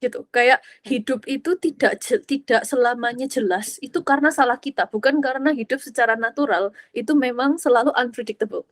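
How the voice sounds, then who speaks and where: Young woman, podcast host, personal storytelling, mixes in English, laughs often, higher voice, dry close sound. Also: brisk, few pauses, no echo. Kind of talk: personal reflective monologue.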